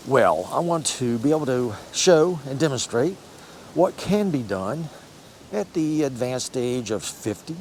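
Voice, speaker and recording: Brief: man, 60s, fitness vlogger, mid-pitched, loose and encouraging, faint hiss behind. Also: a little mellow. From United States. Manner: rambling, self-correcting, encouraging. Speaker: fitness channel host. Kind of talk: casual vlog talk to camera.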